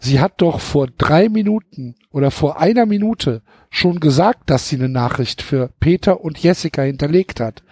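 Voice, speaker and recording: A high-pitched, very lively man with a husky tone jokes on a podcast. He acts out scenes from the book in mocking ways. His voice swings widely as he talks. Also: normal speed, hardly any pauses, no room sound. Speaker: podcast co-host. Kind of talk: casual comedic chat.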